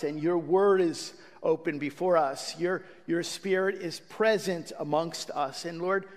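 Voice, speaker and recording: A man speaking as pastor to his congregation, welcoming them and leading a prayer. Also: a little high. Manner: warm pastoral address with fillers and restarts. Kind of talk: church sermon introduction and prayer. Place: church sanctuary. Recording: church hall reverb.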